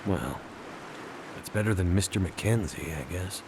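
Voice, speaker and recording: A man playing a world-weary, skeptical survivor hero in a video game, speaking in a dry, measured, steady way. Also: low voice, noisy background. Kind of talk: naturalistic video game acting.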